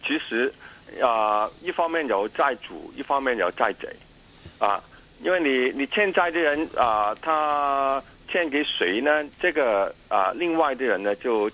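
A man with a Cantonese accent in his Mandarin, a native Cantonese speaker, giving explanatory interview answers in a halting way with many pauses and repeated words. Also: mid-range voice, expressive, a bit bright, rough recording. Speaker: interview guest, academic.

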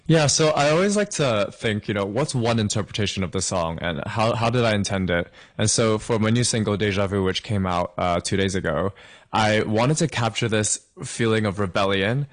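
A man's voice: fairly low pitch, animated, moderate pace. A young man from Hong Kong, a singer-songwriter, chatting upbeat and friendly as a guest in an interview, laughing now and then. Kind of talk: casual interview over a call.

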